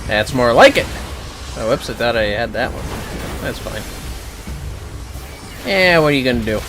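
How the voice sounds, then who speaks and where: A man's voice: medium pitch, lively intonation, normal speed, music in the background. A man chatting casually and bluntly, with swearing, while he plays a game on a livestream. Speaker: livestream gamer. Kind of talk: casual chat while playing an online game.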